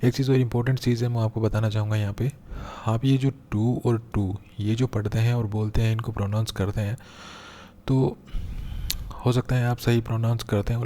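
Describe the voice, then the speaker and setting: A man teaching English grammar in a lesson, explaining patiently step by step and slowing down to read out example sentences. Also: on the low side, warm tone. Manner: patient, step-by-step, repeats key points.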